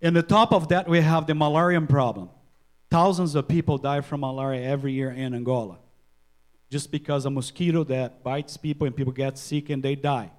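A middle-aged man with a Portuguese-speaking accent, a missionary doctor giving an earnest church presentation with halting restarts and repeated words. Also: medium pitch, steady tone. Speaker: missionary physician.

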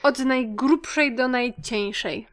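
A woman's voice: a little high, slow, a bit bright. A woman co-hosting a podcast, chatting casually and prompting the other speaker. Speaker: podcast co-host.

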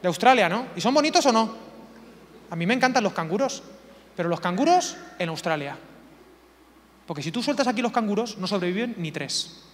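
A man's voice: high-pitched, lively intonation, fairly quick, long pauses, long reverb tail, a little hiss or hum. A man preaching a sermon, emphatic and full of rhetorical questions, repeating key words for effect.

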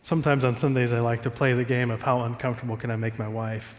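A man's voice: medium pitch, little pitch movement, fast, long reverb tail, slight background noise. A man preaching a sermon as pastor, stuffy from a cold, talking in a conversational, self-joking way from a church stage.

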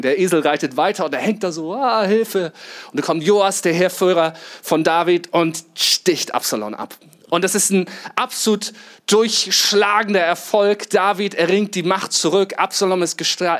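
Male pastor, higher than usual voice, lively sermon storytelling with acted-out lines and questions to the congregation. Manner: lively storytelling, acts out quotes, rhetorical questions.

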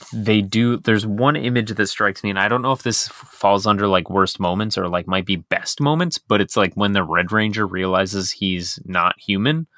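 Podcast co-host, low male voice, forceful tone, dry close sound, rambling chat. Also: no echo. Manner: rambling, heavy on filler words. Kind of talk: casual chat.

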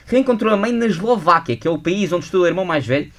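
A young male radio host talks very quickly in a slightly high-pitched voice. He presents in a chatty morning-show style from a studio. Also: animated, a bit bright. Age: young adult. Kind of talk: lively morning radio banter.

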